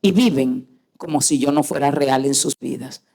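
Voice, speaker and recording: A woman preacher voicing God as a sorrowful male voice who speaks slowly and tearfully. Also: creaky, warm tone, full character voice. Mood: grieving. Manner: slow, low, tearful speech.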